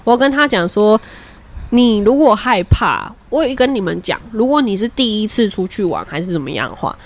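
A woman co-hosts a casual podcast. She talks at an ordinary middle pitch in a relaxed, conversational manner. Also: moderate pace. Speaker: podcast co-host. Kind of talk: casual chat.

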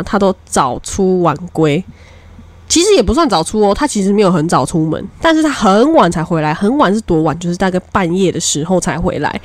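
A young woman talks casually as a podcast co-host. Her pitch swings widely, and she speaks straight to the listeners. The recording is close and dry. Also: dry recording. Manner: expressive, addresses listeners directly. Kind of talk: casual storytelling chat.

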